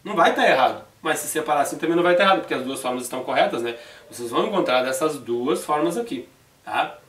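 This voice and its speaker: A man's voice: a little high, expressive, quick pace, fairly bright tone, roomy sound, far from the mic. A Brazilian Portuguese-speaking man teaching a video grammar lesson, explaining rules step by step in a chatty way and often checking in with his students.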